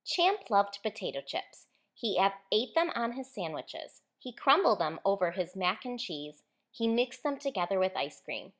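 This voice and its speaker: A woman author reading a children's story aloud in an expressive, clearly enunciated storytelling style. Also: mid-range voice, moderate pace, few pauses. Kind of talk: expressive children's picture book read-aloud.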